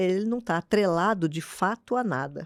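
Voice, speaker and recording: A woman with a normal speaking voice and lively intonation on a very clean recording with a silent background. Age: 60s. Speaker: philosophy of education scholar. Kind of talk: interview conversation.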